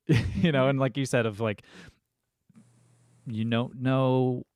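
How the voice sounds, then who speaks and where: A man hosting a podcast, chatting casually and telling lively stories with many fillers. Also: mid-range voice, slow, dry recording, clean studio sound. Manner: animated storyteller, many fillers. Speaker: podcast host. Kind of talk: casual conversation.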